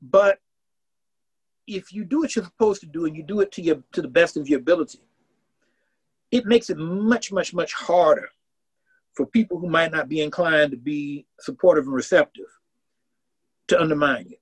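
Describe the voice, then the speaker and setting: A man's voice: a little high, moderate pace, pauses often, husky, low-quality recording. A man around sixty, from the American South, speaking earnestly as an academic guest in a casual interview and restarting phrases as he thinks aloud. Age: about 60.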